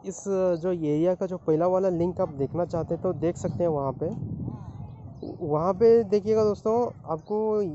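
A young man walks through an outdoor building site, explaining the work in a relaxed mix of Hindi and English with frequent fillers. His voice sits a little high yet mellow. The handheld phone sound is slightly dull, with faint outdoor noise behind him. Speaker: civil engineering vlogger. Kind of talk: walking site tour vlog. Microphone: phone held at arm's length.

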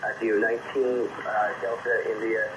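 A man chatting casually as a CB radio operator over a single-sideband link, folksy and hesitant, often pausing mid-phrase. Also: fairly low pitch, level tone. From United States. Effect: single-sideband radio transmission. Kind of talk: casual two-way radio chat. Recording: muffled, noisy shortwave CB radio reception. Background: radio static.

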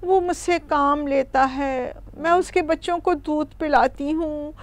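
A woman's voice: sits high, fairly even intonation, no echo, close to an everyday voice. A woman voicing a tired old female cow who sighs and grumbles about her lot in a children's storybook telling. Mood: complaining. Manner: sighing, grumbling.

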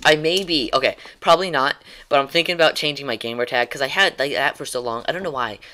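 A man's voice: medium pitch, quick pace, pushed and bright. A man streaming games, signing off his stream in casual, rambling chat, tongue-tied, with many restarts and ums and small chuckles. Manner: chuckles while talking. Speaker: gaming streamer. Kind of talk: casual livestream sign-off chat.

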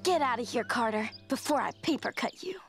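A woman's voice: fairly high pitch, animated, brisk, soft background music. A woman playing a bold young girl who talks with threatening bluster in a cartoon. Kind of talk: cartoon voice acting.

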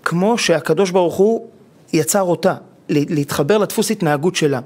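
A rabbi on a TV talk show explaining marriage advice and acting out quoted husbands and wives as he tells stories. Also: high voice. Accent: Israeli Hebrew. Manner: animated storytelling, acting out quoted spouses. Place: television studio.

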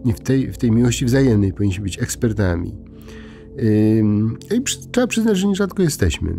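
Gravelly, mellow-voiced priest musing at bedtime. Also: male voice, on the low side, very animated, soft background music. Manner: unhurried, conversational, many hesitations and restarts. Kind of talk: informal bedtime reflection.

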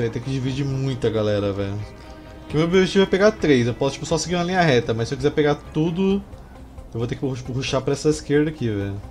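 A man's voice: medium pitch, darkish tone. A man in his thirties with a Brazilian accent, giving slangy, casual commentary as he streams a game. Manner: slangy, swearing. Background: faint game music.

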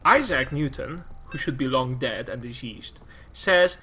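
A man's voice: mid-range voice, lively intonation, a little slow, sharp tone, husky. A man commentating a strategy game in a playful, casual style, laughing often. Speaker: esports commentator.

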